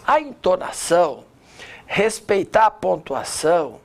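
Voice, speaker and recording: A man teaching an online public speaking lesson, animated and talking straight to the viewer, shifting his pace and loudness to demonstrate. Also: sits high, vocal fry. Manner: addresses the viewer directly with quick rhetorical objections.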